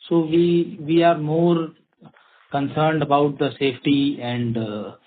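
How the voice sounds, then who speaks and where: An Indian-accented man, a company executive, explaining in a halting way as he answers questions on an earnings call. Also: a little high, fairly even intonation. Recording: tinny phone line with clicks and noise.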